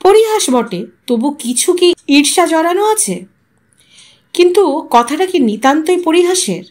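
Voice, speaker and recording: A woman reading a literary short story aloud in an expressive storytelling style. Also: sits high. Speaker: audio story narrator.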